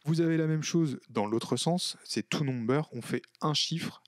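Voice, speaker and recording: Guy doing a laid-back software tutorial voice-over, lots of euh and restarts, dry close sound. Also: on the high side, unhurried, no room sound. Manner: casual, chatty, full of fillers and self-corrections. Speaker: tutorial host. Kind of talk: screen-recorded software tutorial.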